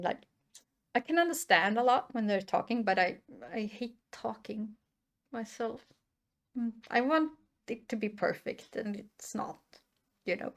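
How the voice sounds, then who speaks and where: A woman with a fairly bright, mid-range voice hosts a reaction channel, offering casual commentary and thinking out loud with lots of restarts. She is from Sweden or Norway, and Swedish and Norwegian are her first languages.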